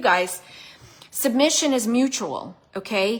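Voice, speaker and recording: Over noticeable background noise, a woman with a high pitch speaks in an animated tone with lively intonation. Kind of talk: live stream commentary. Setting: social media live video.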